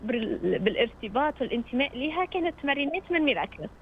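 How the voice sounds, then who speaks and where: Fast, high-pitched young Tunisian woman. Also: sing-song, vocal fry, slightly rough. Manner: hesitant, searching for words. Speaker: phone-in guest, amateur voice actor. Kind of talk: casual radio interview. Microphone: phone call. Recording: dull phone line with noise.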